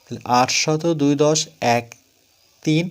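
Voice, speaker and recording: A man with a fairly high voice leads a math lesson for schoolchildren. He breaks each step down, says the numbers over and over, and answers his own questions as he goes. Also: steady tone, clean tone. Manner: explains step by step, repeats numbers slowly; asks questions and answers them himself. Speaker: math teacher.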